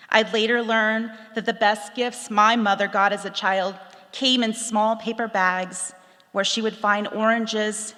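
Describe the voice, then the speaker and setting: A middle-aged woman from Texas reading a personal essay aloud, in a reflective, measured storytelling manner. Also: mid-range voice, bright, forceful tone. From Texas, USA. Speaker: speaker telling a personal story. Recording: long hall reverb.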